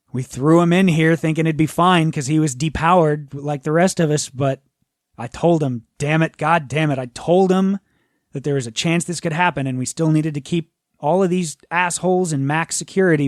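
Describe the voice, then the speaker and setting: A man's voice: fairly high pitch, normal speed, dry recording, clean studio sound, natural voice. A man voicing an agitated, exasperated, swearing superhero cop in a tabletop game. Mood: frustrated. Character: agitated chain-smoking male superhero cop, gruff and urgent.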